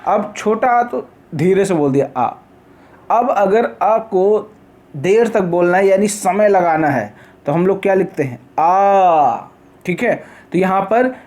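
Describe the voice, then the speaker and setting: Hindi quiz teacher, man, higher voice. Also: a little mellow. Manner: asks viewers to comment answers, repeats each question. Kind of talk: exam quiz lesson.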